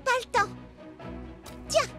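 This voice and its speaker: A woman's voice: slow, over loud music, natural voice. A woman voicing a cheerful, kind little girl who leads her friends in a French children's cartoon. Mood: brisk, encouraging.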